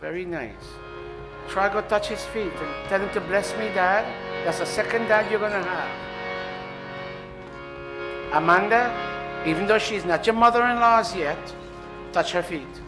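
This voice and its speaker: A man's voice: high voice, a little slow, long pauses, music in the background. A man leading a temple ceremony, giving the congregation live directions with joking, apologetic asides.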